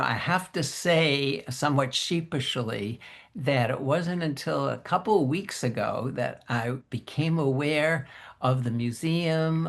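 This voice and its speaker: A man hosting an interview program who opens with a scripted introduction and asks questions in a formal, courteous and deliberate way. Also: on the high side, gravelly, a bit bright. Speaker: interview host.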